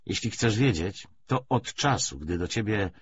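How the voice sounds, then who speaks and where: A man reading the lines of a stern, determined wife who speaks hard and hurried, in an audiobook. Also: lowish voice, animated. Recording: slightly dull recording, faint noise.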